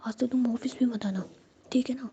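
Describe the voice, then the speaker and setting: A woman's voice: a little high, steady tone, fairly quick, warm tone, muffled recording, slight background noise, pitched above the performer's own voice, lightly acted. A woman whispering the lines of an angry, hurt young woman in a told story, snappish and sulking.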